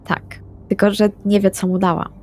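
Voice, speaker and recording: A woman's voice: mid-range voice, little pitch movement, moderate pace, darkish tone, faint music behind, natural voice. Woman playing earnest, remorseful young vampire woman. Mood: defensive. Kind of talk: improvised roleplay audio drama.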